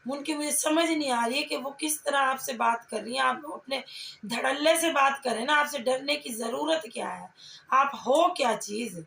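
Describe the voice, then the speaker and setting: This reaction vlogger talks at a moderate pace in a high, creaky voice that sounds pushed and bright. She scolds and taunts in confrontational commentary, leaning on pointed rhetorical questions, with room echo and faint background noise.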